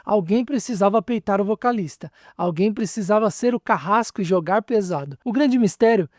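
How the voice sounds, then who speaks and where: A documentary narrator reads a punchy, suspense-driven script. The voice sits at a middle pitch. It is recorded close and dry, with no room sound. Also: expressive, normal speed, a little mellow, no room sound. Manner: dramatic, punchy storytelling.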